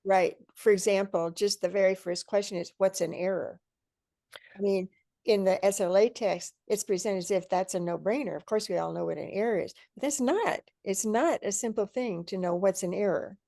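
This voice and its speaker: Older lady academic, gravelly relaxed voice, measured and emphatic, video call, pretty dry sound. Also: medium pitch, no room sound. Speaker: teacher educator and researcher. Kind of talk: thoughtful explanation in an online panel. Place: indoor room at home or office, video call.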